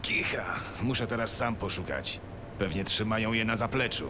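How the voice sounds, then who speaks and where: An actor playing a sardonic male video game antihero with a dry, deadpan delivery. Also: fairly low pitch, normal speed, background noise, natural voice.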